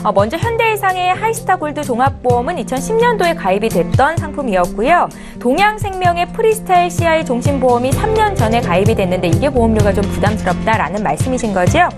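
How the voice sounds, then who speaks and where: A woman's voice: high voice, quick pace, hardly any pauses, loud music behind the voice. A woman hosting an insurance advice broadcast, speaking in a polite, formal presenter's manner. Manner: polite, formal, lively delivery. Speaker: show host.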